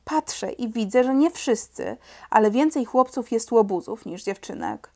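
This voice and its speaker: A woman's voice: a little high, animated, normal speed, darkish tone. A woman reading aloud and voicing a bold, outspoken young girl who lectures a crowd indignantly in a storybook.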